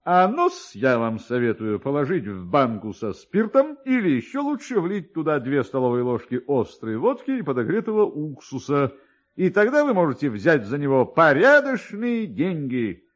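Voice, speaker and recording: A man's voice: fairly high pitch, very animated, normal speed, muffled recording. A man voicing a dignified, self-important doctor with a courteous, unctuous, persuasive manner, in a classic radio drama.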